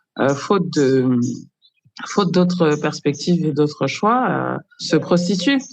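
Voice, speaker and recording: A woman talks with a fairly low pitch. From France, Paris region. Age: 40s. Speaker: spiritual guide, ancestry expert. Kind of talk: podcast interview. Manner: halting, many hesitations.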